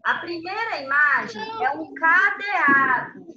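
A woman teaching young children in an online class, explaining slowly and patiently step by step. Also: very high-pitched, lively intonation, background noise. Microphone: video call. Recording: echoey, distant, dull video call.

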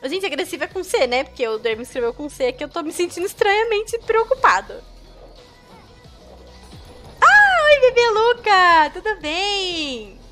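A young Brazilian woman chatting casually with viewers while streaming a game, with excitable outbursts. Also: extremely high pitch, fairly quick, few pauses, over music. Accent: Brazilian Portuguese. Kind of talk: casual gameplay commentary.

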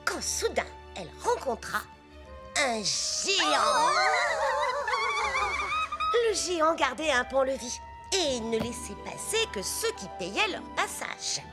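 Gentle girlish cartoon storyteller. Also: high-pitched, big pitch swings, slow pace, pauses often, over loud music, heavily acted. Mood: hushed, wondrous. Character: gentle young girl storyteller reading fairy tales to little ones. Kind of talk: storybook narration in a children's cartoon.

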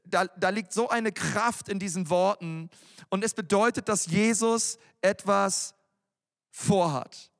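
A male pastor delivers a sermon in a relaxed, youthful manner, dropping slang and filler words as he goes. His voice sits high, and it rings out with a long reverb through a church hall. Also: slow, vocal fry. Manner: casual, youthful preaching with frequent fillers and slang.

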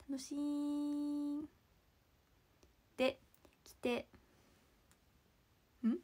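Young woman from Saitama, idol streaming live chat, high voice with a gravelly edge, chatty and bubbly, slips into whispers. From Saitama, Japan. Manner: chatty and bubbly, thanking viewers by name, drops into whispers. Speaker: idol livestreaming and reading viewer comments. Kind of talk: casual livestream chat.

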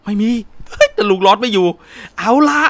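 ผู้ชายพากย์เกมอย่างตื่นเต้น เสียงสูง. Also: male voice, sits high, brisk, slight background noise. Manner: excited, chatty, dubbing characters. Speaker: gaming channel host. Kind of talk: playful game commentary.

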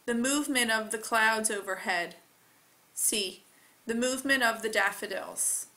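A woman reading test questions aloud in a careful, deliberate manner. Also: on the high side, sharp tone. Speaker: test reader.

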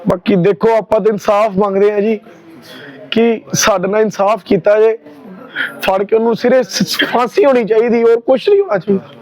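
A man's voice: high-pitched, moderate pace, darkish tone. A man with a Punjabi accent speaking as an interviewee, giving his account in a news interview. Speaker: victim's relative, interviewee. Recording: dull, muffled field recording.

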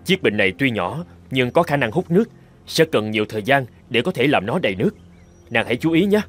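A man voicing a brawny tribal chief in an animated fairy tale, earnest and theatrical. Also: mid-range voice, a little fast. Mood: feigned weakness. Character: brawny male tribal chief, scheming captive husband.

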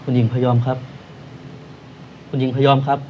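An actor playing a courteous doctor who examines a bedridden patient. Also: male voice, medium pitch, little pitch movement, normal speed, dull audio, slight background noise, lightly acted. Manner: courteous, clinical.

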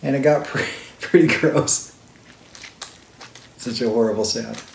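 A man in his thirties, an animator hosting his own vlog, talking in a relaxed, chatty way with fillers from his home studio. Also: mid-range voice, measured pace, vocal fry, slight background noise. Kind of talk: casual vlog talk. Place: home art studio, indoors.

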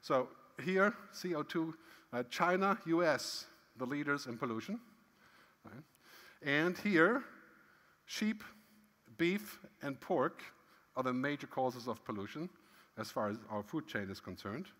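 A middle-aged keynote speaker addresses a conference from a large stage, chatting conversationally, swinging emphatically, and often tagging lines with "right?" His male voice is slightly high, bright and animated, with a measured pace and long pauses, heard through long hall reverb.

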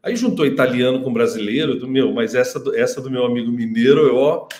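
A man's voice: medium pitch, a little fast, reverberant. A man, a singing teacher telling stories casually on a live stream, laughing often and acting out what others said. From Brazil. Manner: animated, laughing storyteller who acts out quotes.

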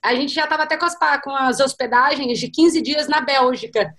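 A woman in her thirties with a high voice speaks on a video call from home. She is brisk and matter-of-fact, listing things one after another. Her voice comes through a laptop microphone. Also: fairly bright tone. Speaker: guest, travel blogger. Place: small home room. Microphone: laptop webcam on video call.

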